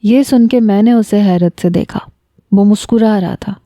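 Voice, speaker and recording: Woman with a very mellow storytelling voice. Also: medium pitch, no echo, studio quality. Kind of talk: first-person romance story narration.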